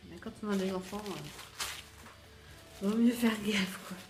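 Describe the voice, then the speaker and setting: A woman's voice: medium pitch, slow. Chatty French woman in an echoey room. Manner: chatty, hesitant with many fillers. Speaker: beauty vlogger. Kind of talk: casual chat unboxing. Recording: echoey room with faint music.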